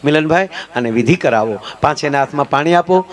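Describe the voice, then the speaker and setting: A man telling folk jokes on stage, acting out characters in changing voices and adding preachy asides. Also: a little fast. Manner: animated, swings pitch to act out quoted characters. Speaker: folk humorist. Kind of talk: live folk comedy storytelling.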